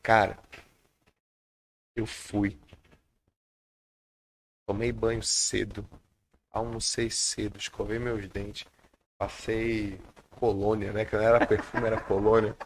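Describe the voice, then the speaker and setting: A man's voice: fairly low pitch, slow pace, long pauses, a little hiss or hum. A man with a Brazilian Portuguese accent telling a childhood story as a podcast guest, acting out the voices of the people in it. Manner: animated storyteller, acts out quoted dialogue.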